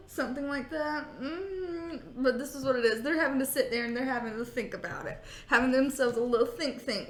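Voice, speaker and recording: A woman giving a casual tarot reading on video, sassy and joking, often laughing. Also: fairly high pitch. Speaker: tarot reader. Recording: roomy echo.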